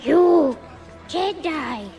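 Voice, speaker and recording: An actress playing a ragged old homeless mystic woman in an audio drama, halting and speaking of herself in the third person. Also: sits high, lively intonation, gravelly, warm tone, faint music behind, heavily acted. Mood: eerie, awed. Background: orchestral film score.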